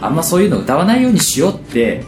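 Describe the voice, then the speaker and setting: Guy co-hosting a chat show, matter of fact but lively pitch, music under him. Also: rapid-fire. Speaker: co-host. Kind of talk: casual chat. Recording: echoey room with music behind. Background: background music.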